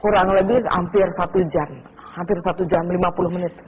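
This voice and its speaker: A woman's voice: lowish voice, fairly even intonation, quick pace, darkish tone. A woman guest recounting a frightening night as personal testimony, retelling it vividly and emotionally. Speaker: guest, wife. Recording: dull lo-fi TV audio, faint noise.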